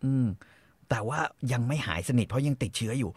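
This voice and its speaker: Man, casual chat, swings his pitch a lot, swears, dry close mic. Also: quick pace, breathy edge, no echo. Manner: animated storyteller, swears freely, voices people he quotes.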